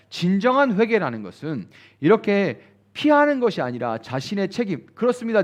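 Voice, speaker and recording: A male pastor preaching a sermon at a midweek prayer service, acting out the voices of the people he quotes. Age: adult, grew up attending church retreats. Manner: animated, acts out quoted voices with big pitch swings.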